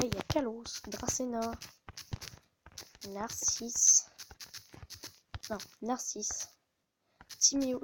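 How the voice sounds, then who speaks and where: Recorded on a phone with some background noise, a woman with a slightly high voice hosts a casual gaming video. She mutters to herself as she plays and often stops to correct herself, giving loose gameplay commentary.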